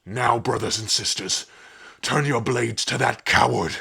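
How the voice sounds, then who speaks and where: A man voicing a loyal, blunt male orc rebel in a fantasy audio roleplay, forceful and solemn. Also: medium pitch, measured pace, vocal fry, breathy edge, exaggerated voice. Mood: accusing, rousing.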